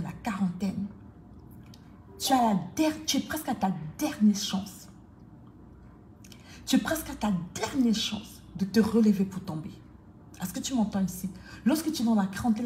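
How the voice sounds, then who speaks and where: A woman's voice: fairly high pitch, dark tone. A woman coach giving a motivational talk to the viewer, emphatic and repetitive in a preaching cadence. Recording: echoey room with faint noise.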